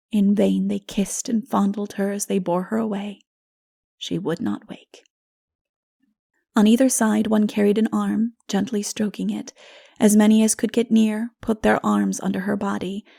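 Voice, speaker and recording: A woman narrating a novel in a dramatic, hushed and solemn, measured storytelling manner. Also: mid-range voice, vocal fry. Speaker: audiobook narrator. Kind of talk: dramatic scripted fiction narration.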